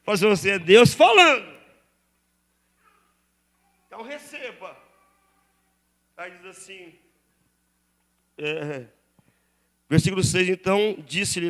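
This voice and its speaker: A Brazilian pastor preaching a sermon in a church, calling on the congregation to repeat phrases and respond aloud. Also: male voice, sits high, fairly bright tone. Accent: Brazilian Portuguese. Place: church sanctuary.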